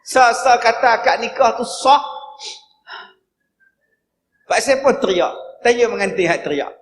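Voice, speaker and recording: A man with a northern Malay dialect giving a humorous religious lecture as a preacher, telling stories with sudden loud high bursts. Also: lively intonation, measured pace, slight background noise.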